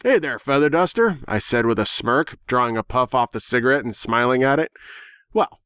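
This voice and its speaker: A man narrating a first-person story dramatically, with sardonic, expressive delivery, recorded close in a dry space. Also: medium pitch, normal speed, clear, resonant tone, no room sound. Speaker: fan fiction narrator.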